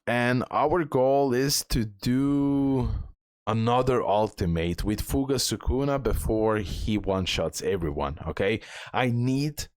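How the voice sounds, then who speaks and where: A man's voice: mid-range voice, slow pace, darkish tone, dry recording, studio quality. A man giving casual gameplay commentary as the host of a game guide, repeating himself and checking in with the listener.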